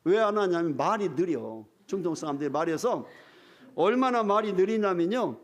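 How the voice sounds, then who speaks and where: An older male preacher delivers a revival sermon in a church, his high voice swooping up and down with lively energy. He talks straight to the congregation, spinning funny stories. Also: moderate pace. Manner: humorous storytelling, addresses the congregation directly. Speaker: retired pastor, guest revival preacher. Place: church sanctuary.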